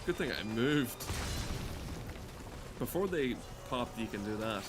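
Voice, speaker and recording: A man's voice: medium pitch, animated, takes it slowly, music in the background. A man giving casual, sweary, joking gameplay commentary, often muttering to himself as he plays. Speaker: gaming video commentator. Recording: noisy background of game sounds. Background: video game ambience.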